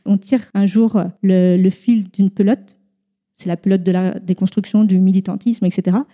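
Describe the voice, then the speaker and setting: A woman's voice: medium pitch, flat delivery, normal speed, mellow. A woman guest speaking thoughtfully, piling up examples. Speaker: podcast guest. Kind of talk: casual discussion.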